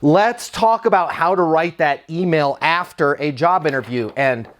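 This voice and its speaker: A man who founded a sales training company, giving energetic, emphatic career advice straight to the camera. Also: a little high, measured pace. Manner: energetic, emphatic, punchy coaching delivery. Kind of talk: direct-to-camera advice video.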